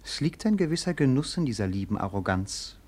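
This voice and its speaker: An actor playing a melancholy, rapturous young prince in a classic German radio play, with poetic, declamatory delivery. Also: male voice, mid-range voice, sing-song, brisk, husky. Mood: dreamy, lofty. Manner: poetic, declamatory, swinging from hushed to ecstatic.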